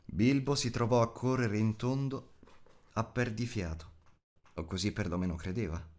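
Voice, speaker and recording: A man narrates an audiobook in a fairly low voice. His delivery is scripted storytelling, read aloud. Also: normal speed.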